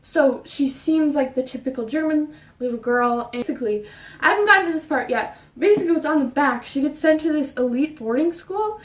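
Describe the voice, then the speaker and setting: A young woman vlogging casually about books, talking fast and rambling, a bit out of breath. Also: high-pitched, expressive, recorded from a distance. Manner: fast, rambling, with fillers and restarts. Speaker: book vlogger. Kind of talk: casual book chat. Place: her bedroom. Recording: roomy sound, voice off-mic.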